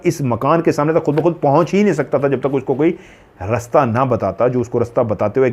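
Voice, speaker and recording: A male horror storyteller, talking the tale through casually. He rambles, corrects himself and drifts into asides. His pitch sits in the ordinary male middle. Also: a little mellow, dull audio.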